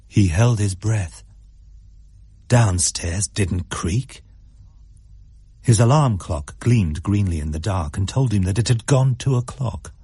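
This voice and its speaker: A man narrating a spooky story in a measured, suspenseful way. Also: fairly low pitch, warm tone, slightly rough, no room sound.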